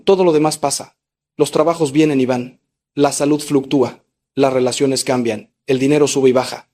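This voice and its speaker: A man, a Catholic priest, preaching a sermon emphatically with rhetorical repetition. He speaks straight to the listener, swinging between raised, intense lines and low, slowed ones. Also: a little mellow. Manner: addresses the listener directly.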